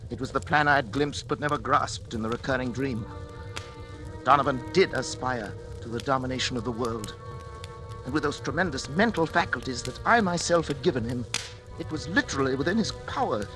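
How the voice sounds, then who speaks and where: An actor playing a guilt-ridden scientist father, narrating his crime in grave, measured tones, in a vintage radio drama. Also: mid-range voice, lightly acted. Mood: anguished. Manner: hushed, coaxing with his son, then solemn confessional narration. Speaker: doctor and narrator. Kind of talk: 1940s radio drama acting. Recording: old radio broadcast with music bed.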